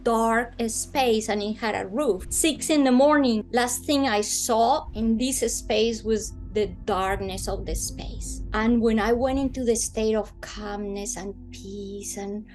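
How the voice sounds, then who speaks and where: A woman with a Colombian accent, a native Spanish speaker, telling a personal story in an interview with expressive, dramatic emphasis. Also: a little high, takes it slowly, few pauses, faint music behind, poor audio. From Bogota, Colombia.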